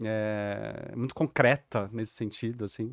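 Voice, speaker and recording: Speech at a very slow pace comes through a very clean recording with a silent background and a dry, close sound with no echo. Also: man. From Brazil, Bahia (Salvador). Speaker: actor and visual artist. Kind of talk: interview conversation.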